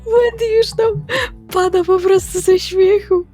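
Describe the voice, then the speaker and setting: A woman's voice: extremely high pitch, fairly even intonation, measured pace, mellow. A woman roleplaying casually in a tabletop game, with a playful, informal way of talking. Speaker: tabletop RPG player. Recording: music behind the voice.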